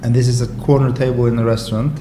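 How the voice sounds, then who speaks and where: A man's voice: medium pitch, level tone, very fast. A man whose first language is Icelandic, chatting casually as a podcast guest over lunch in a restaurant, laughing often and restarting his sentences. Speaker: photographer and writer, podcast guest. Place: restaurant table. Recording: echoey restaurant with background noise.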